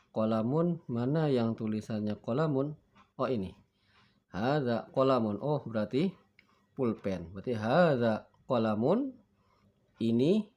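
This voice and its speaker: Slow, patient male language teacher. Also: medium pitch, mellow, lo-fi sound. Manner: patient, acts out forgetting and finding words; reads each word twice for repeating. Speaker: Arabic teacher. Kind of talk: slow beginner lesson.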